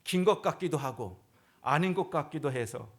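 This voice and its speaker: A man's voice: on the high side, animated, normal speed. A male pastor preaching a sermon in a church, posing rhetorical questions to the congregation.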